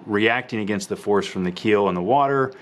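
A man's voice: on the low side, brisk, fairly bright tone. Patient man teaching sailing basics. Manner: patient, explanatory, asks and answers own questions. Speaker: sailing instructor. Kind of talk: hands-on instructional walkthrough. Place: outdoors on a small sailboat at a dock.

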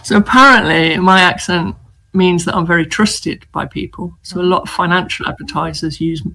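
A woman from the English Midlands with a Black Country accent, chatting as a guest author in a casual interview, self-deprecating and quick to laugh. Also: fairly low pitch, pushed and bright.

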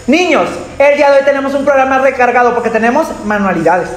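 A woman's voice: high-pitched, fast. A young woman with a Mexican accent hosting a Christian children's show. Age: young adult. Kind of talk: lively hosting and leading prayer for children. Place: indoor TV-style studio set. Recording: echoey studio, some background noise.

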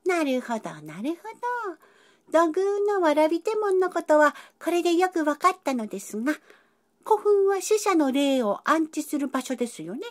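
A woman's voice: high-pitched, very animated, moderate pace. A woman voicing a curious young cat who eagerly asks polite questions. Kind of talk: educational dialogue.

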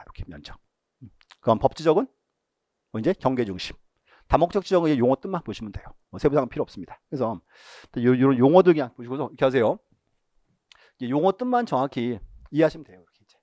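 A man's voice: mid-range voice, mellow, no echo. A male lecturer giving an exam-prep lesson, asking questions and answering them himself, repeating key terms and telling students what to mark in the book. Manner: asks and answers his own questions.

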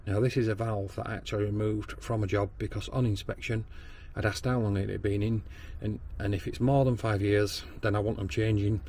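With a voice on the low side and a darkish, steady tone, this man talks briskly and with few pauses, over slight background noise. He's a plumber and backflow tester from the north of England, demonstrating plumbing at a workshop bench step by step, full of ums and restarts.

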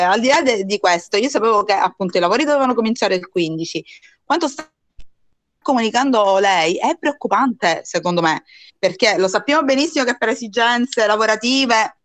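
Female councillor, medium pitch, spontaneous complaining delivery, dry video-call sound. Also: a bit bright, no room sound. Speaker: district councillor.

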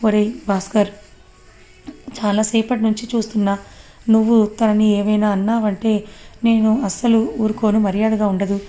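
A woman's voice: mid-range voice, little pitch movement, normal speed, dark tone, natural voice. A woman voicing a lovesick young man who insists and defends the girl he cares for.

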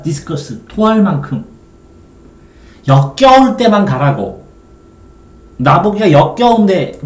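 A male tutor with a high, animated voice that swings up and down as he teaches. He explains each point step by step and keeps asking his students if they follow. The sound is roomy and echoey. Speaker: Korean literature tutor. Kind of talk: exam-prep lecture.

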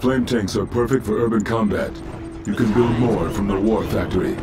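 A man voicing an impassive military battle computer that gives clipped, flat status announcements in a strategy game. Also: lowish voice, moderate pace, natural voice. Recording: loud music and vehicle noise behind. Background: loud game music, vehicles.

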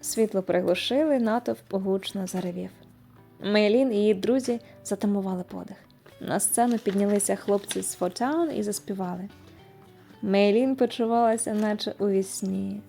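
Mellow woman reading a fairy tale. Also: mid-range voice, normal speed, vocal fry. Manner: expressive, lively reading. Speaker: storyteller. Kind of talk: audio fairy tale narration. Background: soft music.

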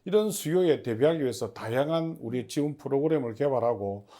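A man heads a public agency and gives formal, somewhat halting interview answers, as though partly reading from prepared notes. His voice is medium-pitched, animated and dark in tone.

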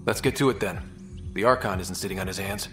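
A man's voice: deep voice, fast talker, faint music behind, natural voice. An actor playing a resolute young man who leads a space exploration team in a video game, casual and confident. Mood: resolved.

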